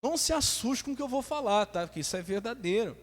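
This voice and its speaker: A man with a Brazilian Portuguese accent preaching a sermon as pastor, lively, calling on the congregation to say amen. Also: extremely high pitch, fast. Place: church hall. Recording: long church reverb.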